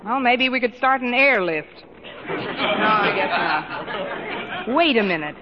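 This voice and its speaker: An actress playing a wry, quick-witted female schoolteacher in 1940s radio comedy style, dry and sardonic. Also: medium pitch, lively intonation, a loud crowd. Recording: muffled old radio broadcast, reverb, faint hiss.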